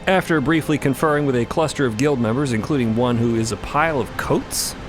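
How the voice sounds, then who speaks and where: A man's voice: medium pitch, fairly quick, music in the background. A man co-narrating a fantasy audio drama, dramatic and scripted with casual asides.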